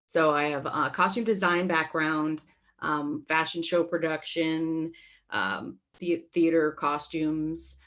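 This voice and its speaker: A woman with a slightly low voice answers interview questions as a performer. Her talk is informal and conversational, with a wry edge. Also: fairly even intonation, slow, fairly bright tone. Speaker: theater performer and costumer. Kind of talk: casual panel interview.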